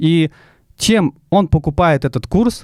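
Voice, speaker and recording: A man with a dark, mellow tone speaks with lively intonation. The recording is very clean with a silent background, and the sound is dry and close with no echo. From Kazakhstan and Siberia, Russia. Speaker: photographer and Instagram producer. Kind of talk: casual chat. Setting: studio.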